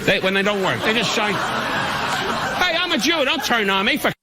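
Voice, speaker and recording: Man, roast comic, rambling and self-mocking, high voice, roaring audience, heavy noise. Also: sing-song, moderate pace, a loud crowd. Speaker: roast speaker. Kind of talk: stand-up roast joke. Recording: live stage with loud audience.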